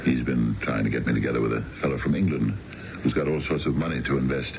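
An actor playing a wealthy, unfaithful middle-aged businessman in a radio drama, smooth and self-assured but halting, with a genteel, gravelly delivery. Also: extremely low pitch, fairly even intonation. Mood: evasive, casual. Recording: muffled, noisy old radio broadcast.

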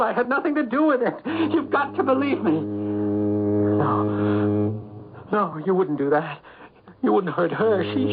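An actor playing a guilt-ridden husband in a 1970s radio drama, stammering and pleading in panic with an unseen tormentor. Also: male voice, sits high. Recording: phone-like old radio recording, music behind.

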